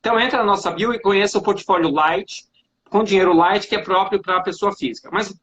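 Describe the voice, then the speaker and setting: Over a muffled recording, a Brazilian host and finance professor talks briskly in a high, slightly bright voice. His live finance chat on a video call is casual, warm and jokey.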